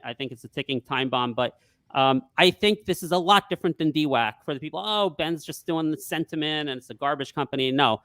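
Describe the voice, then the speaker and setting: A man who works as a stock trader, talking casually in a live market discussion and pitching his view with confident emphasis. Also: a bit bright, smooth, dry recording.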